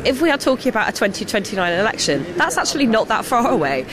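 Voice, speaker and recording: A hoarse woman, a political correspondent giving analysis down the line on live radio. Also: a little high, very animated, a crowd in the background. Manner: fast, fluent, talks in quick runs.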